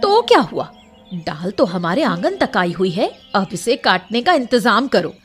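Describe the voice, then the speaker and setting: A woman voicing a sharp-tongued, bossy village wife in a cartoon story, nagging and scolding. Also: medium pitch, sing-song, a little slow, soft background music. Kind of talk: cartoon voice acting.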